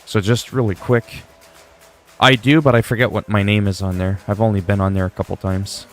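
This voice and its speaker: A man in his forties talks casually through a livestream with a lowish voice, rambling from one thought to the next. He reads viewers' messages aloud and answers them as they come in, with faint music playing behind him. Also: level tone, fairly quick. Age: 40s.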